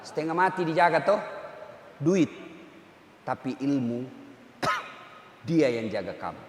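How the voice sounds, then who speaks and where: A man's voice: fairly high pitch, big pitch swings, slow. A man, preaching a humorous sermon and acting out characters in his stories. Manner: joking storyteller, acts out characters. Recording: echoey hall, faint noise.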